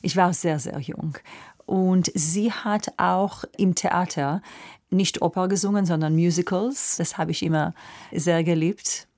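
Slow-speaking Israeli soprano woman. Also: fairly low pitch, a little mellow. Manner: slow, thoughtful, searching for words in a second language. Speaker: guest, opera soprano. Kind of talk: radio interview.

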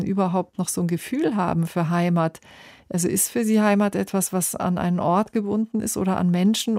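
A woman's voice: fairly low pitch, mellow, no room sound, studio quality. A woman hosting a classical music radio program, introducing pieces and interviewing a guest in a polished presenter manner.

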